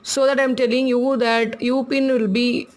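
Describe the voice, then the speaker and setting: A woman's voice: a little high, level tone, normal speed. A woman with a Tamil accent, a native Tamil speaker, giving a casual hands-on jewelry tutorial, chatty and laughing often as she repeats her instructions. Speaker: craft tutorial host.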